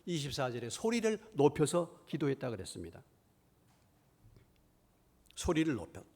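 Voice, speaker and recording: Korean pastor preaching, high-pitched, dynamic. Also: male voice, very animated, moderate pace. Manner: preaching with rhetorical questions, swinging from hushed asides to raised emphatic lines. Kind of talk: sermon. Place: church sanctuary.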